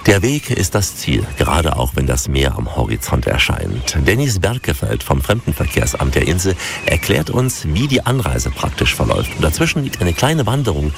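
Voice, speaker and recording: A man from Germany hosting a radio travel show, narrating scenes and interviewing locals in a smooth, descriptive way. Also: extremely low pitch, very animated, normal speed, noisy background.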